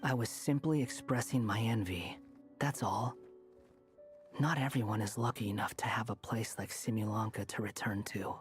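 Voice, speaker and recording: A man's voice: on the low side, normal speed, close to an everyday voice. A man playing a proud, aloof young man in a video game, dry and scornful in manner. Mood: dry envy. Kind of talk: video game character acting. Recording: game music behind.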